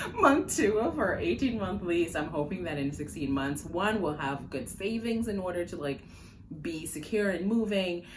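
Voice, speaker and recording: With a Jamaican accent and a fairly low pitch, a woman speaks at a moderate pace with lively intonation, amid audible room echo and noticeable background noise. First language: Jamaican Patois. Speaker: personal finance vlogger. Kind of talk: casual vlog talk. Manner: hesitant, many fillers.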